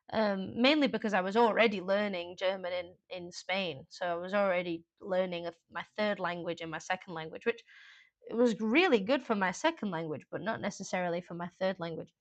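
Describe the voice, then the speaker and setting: Woman, teacher, casual live-stream lesson, conversational and mid-pitched. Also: a bit bright. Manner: chatty, informal, with frequent fillers and asides. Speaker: English exam teacher.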